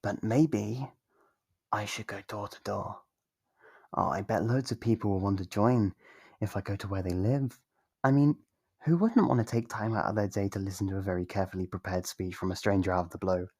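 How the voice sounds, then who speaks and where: An actor playing a devoted, nervous, lovestruck cultist in an ASMR audio roleplay, speaking in a soft, breathy voice with earnest, hesitant, theatrical delivery. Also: deep voice, moderate pace, dry recording, clean studio sound. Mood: earnest, scheming.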